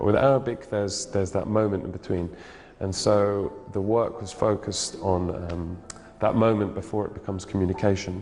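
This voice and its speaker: A man's fairly low voice with a British accent, at a fairly quick pace with fairly even intonation. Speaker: painter. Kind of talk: interview monologue. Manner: halting, many fillers.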